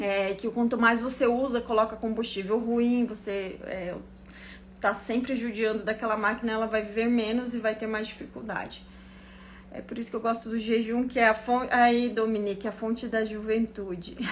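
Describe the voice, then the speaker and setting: At a moderate pace, a woman speaks fairly high in pitch with a monotone, flat intonation. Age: 40s. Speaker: doctor. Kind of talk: casual live chat. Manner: casual.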